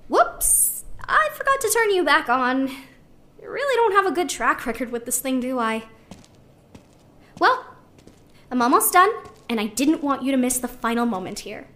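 A woman's voice: high voice, sing-song, normal speed, long pauses, bright, forceful tone, full character voice. A woman playing a spirited, idealistic young artist musing conversationally into a recorder in an audio drama. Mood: playful, excited. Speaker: actor in a sci-fi audio drama. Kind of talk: audio drama monologue, naturalistic.

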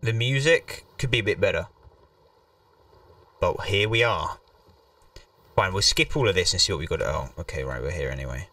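A man's voice: low voice, lively intonation, normal speed, pauses often, sharp tone, no echo, recorded from a distance. A man giving casual, informal live commentary as he streams a video game, swearing now and then.

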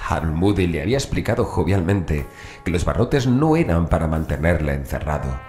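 Very deep male horror audiobook narrator. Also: big pitch swings, brisk, a little mellow. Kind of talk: scripted horror story narration. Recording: voice over background music. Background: music.

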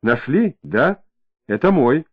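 A man voicing a capricious young woman who drifts between dreamy drawling and sharp, greedy retorts, in an audiobook reading with a tinny, phone-like sound. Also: medium pitch, big pitch swings, slow, breathy edge, full character voice.

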